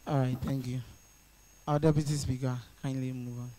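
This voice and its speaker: A young speaker with a Ghanaian English accent chairing a student parliament, brisk and procedural. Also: mid-range voice, little pitch movement, dark tone. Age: young adult. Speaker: speaker of the house.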